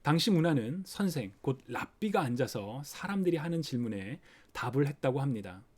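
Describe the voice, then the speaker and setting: Guy pastor giving a sermon, mid voice, gentle explaining, acts out the parents' worry bits. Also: mid-range voice, sing-song, brisk. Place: online worship recording.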